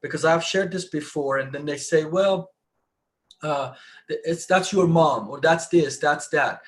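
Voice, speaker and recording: Man telling a story in halting restarts. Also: on the high side. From Iran. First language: Persian. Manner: halting, many restarts, rising emphasis. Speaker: panelist. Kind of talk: live online discussion.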